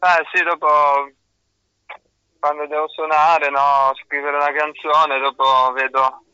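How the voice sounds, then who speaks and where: A man's voice: on the high side, level tone, takes it slowly, bright, forceful tone, muffled recording, a little hiss or hum. A man who is a singer, calling in and chatting casually over a landline phone, answering hesitantly in short agreeing bits. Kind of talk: casual phone chat with a host.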